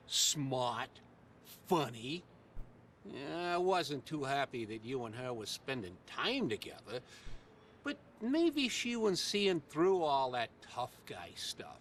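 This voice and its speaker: A man's voice: medium pitch, big pitch swings, takes it slowly, a bit bright, distant mic, slight background noise. An actor playing a kindly, plainspoken older working-class man in a video game, sentimental and hesitant, with folksy, ungrammatical phrasing. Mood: fond. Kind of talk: video game dialogue acting.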